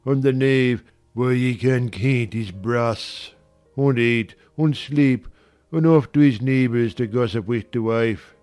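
A scornful old Yorkshire servant, acted by a man, preaching in broad dialect. The delivery is slow and heavily stressed, the sound dry and smooth, as in a storybook drama. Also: mid-range voice, darkish tone, dry recording, soft background music, lightly acted. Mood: scornful, scandalized. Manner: slow, emphatic dialect speech. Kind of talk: dramatized audiobook reading.

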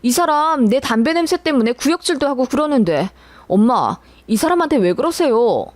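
A woman voicing a mild, apologetic young husband in a narrated story, speaking softly. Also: high-pitched, sing-song, normal speed, dry recording. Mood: pleading.

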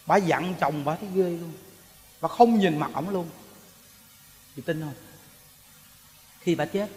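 High-voiced Southern Vietnamese man preaching. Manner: animated storytelling, acting out quoted voices. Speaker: Buddhist preacher. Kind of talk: sermon. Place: temple hall. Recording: echoey hall reverb.

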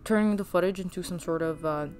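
A woman's voice: lowish voice, fast, a little mellow. A young woman whose first language is Russian, rambling chattily in a casual voice-over while she draws, with fillers and laughs. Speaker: art channel host.

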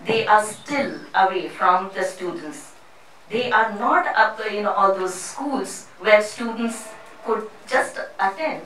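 A middle-aged woman from India speaking on a panel in a seminar room into a handheld mic, halting and earnest with many restarts. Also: medium pitch, fairly bright tone, slight background noise. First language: not Hindi; English not first language. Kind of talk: public talk at a panel. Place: seminar room with a panel seated before a screen. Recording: echoey room picked up from a distance.

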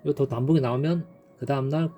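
A man's voice: mid-range voice, fairly even intonation, fast, dark tone, soft background music. A man teaching stock chart trading in a casual, emphatic way, repeating key points and punctuating them with sound effects. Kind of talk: casual screen-share chart lesson.

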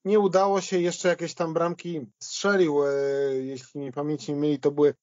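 A man in a conversational sports retrospective, speaking in a halting way as he thinks aloud. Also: on the high side, little pitch movement, a little mellow, dry recording, lo-fi sound.

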